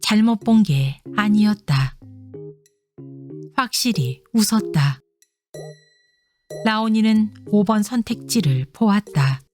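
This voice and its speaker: Woman, children's story narrator, expressive read-aloud for little ones, medium pitch, faint background music. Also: takes it slowly, long pauses. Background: soft instrumental music.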